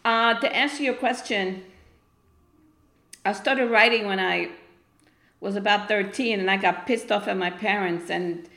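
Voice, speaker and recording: A woman's voice: medium pitch, unhurried, pauses often, sharp tone. Outspoken Argentine-born woman, echoey room. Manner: outspoken, blunt and emphatic. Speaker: guest poet. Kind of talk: casual interview chat.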